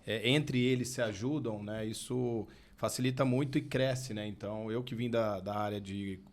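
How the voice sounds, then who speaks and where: A middle-aged man in advertising, a podcast guest who talks in a relaxed, conversational way and often tags his sentences with a question. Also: on the low side, normal speed. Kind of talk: podcast interview.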